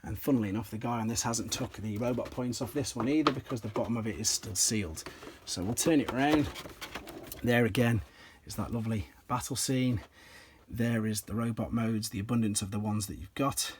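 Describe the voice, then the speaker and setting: A slightly hoarse man, an enthusiastic toy collector, casually explaining and demonstrating pieces from his collection step by step, with frequent ums. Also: medium pitch, brisk, background noise. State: slightly hoarse, clears throat.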